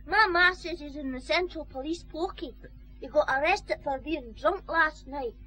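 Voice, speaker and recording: A woman's voice: high voice, normal speed, pushed and bright, rough recording. An actress playing a chirpy small boy in a radio drama. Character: cheeky little Glasgow street boy.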